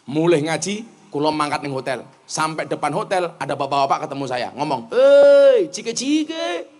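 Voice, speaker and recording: A man's voice: fairly high pitch, brisk, slight background noise. A man with a Javanese accent preaching to a live audience, telling jokes and acting out stories as he switches between Javanese and Indonesian. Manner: mixes Javanese and Indonesian, jokes and animated storytelling. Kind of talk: comic Islamic sermon.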